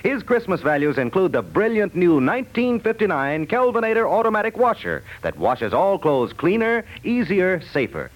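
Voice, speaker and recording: American guy doing old fifties radio ads, fairly high voice, lively swings, polished salesman delivery. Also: moderate pace, hardly any pauses, low-quality recording. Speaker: commercial announcer. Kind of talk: scripted 1950s radio advertising. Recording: 1950s radio broadcast recording.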